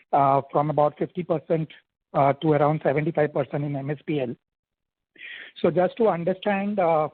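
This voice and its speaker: An analyst calls in over the phone, his slightly raised voice a little husky. The line is thin, dry and telephone-like. He sets out his questions one by one in a careful order. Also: a little high, no room sound. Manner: methodical, lays out numbered questions. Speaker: analyst caller. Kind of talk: asking questions on an earnings call. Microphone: phone handset.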